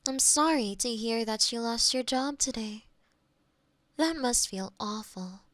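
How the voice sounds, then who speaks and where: A woman's voice: on the high side, unhurried, fairly bright tone, no room sound. A woman playing a polite AI girlfriend eager to please, speaking in stilted, precise phrases in an intimate close-miked roleplay. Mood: formal, sympathetic. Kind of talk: scripted intimate roleplay audio. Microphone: close binaural microphone.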